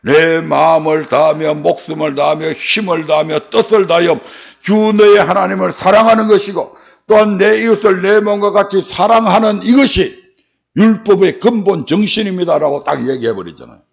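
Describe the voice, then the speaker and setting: A man's voice: high voice, normal speed, creaky. A male pastor in his fifties with a Gyeongsang dialect, preaching a folksy sermon in a church and asking his congregation questions. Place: church sanctuary.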